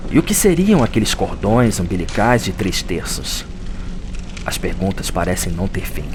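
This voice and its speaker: Over background music, a man with a Brazilian accent performs a solemn, dramatic scripted narration for an audio drama, sounding like a chronicler telling a story. His voice is deep and very animated at a normal speed, and the background is noisy.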